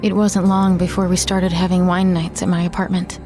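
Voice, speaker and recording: A woman's voice: fairly low pitch, flat delivery, moderate pace, lightly acted. A woman playing a weary, regretful former small-town journalist, narrating a first-person horror audio drama in a somber, reflective way. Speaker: narrator and protagonist. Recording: music bed under voice.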